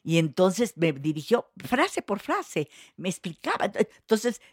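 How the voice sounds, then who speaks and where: A woman's voice: fairly low pitch, slow pace, slightly rough, dry recording, studio quality. An older woman, telling anecdotes in a casual chat, often laughing and restarting her sentences. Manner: lively storyteller, laughs often, many restarts. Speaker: guest actress.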